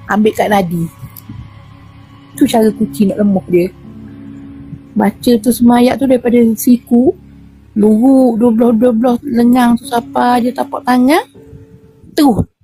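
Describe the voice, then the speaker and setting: A woman with a Terengganu Malay accent, a guest telling a true horror experience in casual, animated style and acting out sounds and quoted voices. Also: a little high, slightly rough. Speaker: guest recounting a spirit healing.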